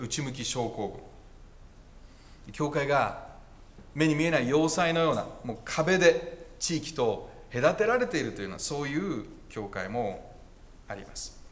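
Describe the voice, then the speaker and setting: Animated, higher-pitched male pastor. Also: moderate pace. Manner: conversational, with wry self-corrections and asides. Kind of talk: sermon.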